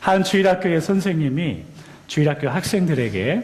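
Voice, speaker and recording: Noticeable background noise can be heard throughout. Over it, a man talks at a fairly slow pace. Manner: calm, lulling.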